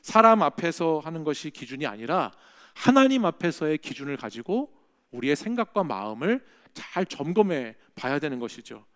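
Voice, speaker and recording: A male pastor delivers a conversational sermon in a church, speaking in a fairly high voice. He keeps checking in with the listeners as he goes. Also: very animated, normal speed, a bit bright. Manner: conversational preaching, frequent "예?" checks with the congregation. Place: church sanctuary.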